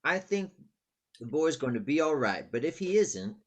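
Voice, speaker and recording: A man's voice: fairly high pitch, very animated, moderate pace. A man reading the part of a kindly, plain-spoken family doctor in a screenplay table read. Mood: calm, reassuring.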